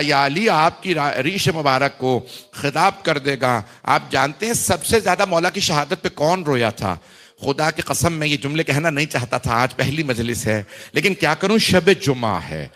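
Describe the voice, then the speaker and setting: A man delivering an emotional mourning sermon, his voice climbing into high chanted wailing as he recounts the story. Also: fairly bright tone. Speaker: Shia cleric giving a majlis. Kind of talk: emotional Urdu majlis sermon.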